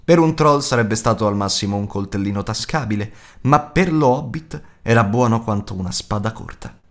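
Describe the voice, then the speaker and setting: A man reading an audiobook aloud in a dramatic, expressive narration. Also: lowish voice, normal speed. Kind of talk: scripted narration.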